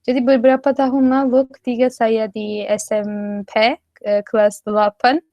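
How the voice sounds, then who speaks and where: A woman's voice: on the high side, little pitch movement, normal speed, dry recording, lo-fi sound. An eighteen-year-old native Turkish woman with a Turkish accent, giving casual interview answers as a language student. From Turkey.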